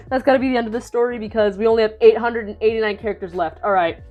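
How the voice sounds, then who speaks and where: A woman's voice: fairly high pitch, steady tone, quick pace, lo-fi sound, soft background music. Young woman, giggly, casual commentary, swears, restarts sentences, video creator. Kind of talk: casual commentary while reading AI fanfiction aloud.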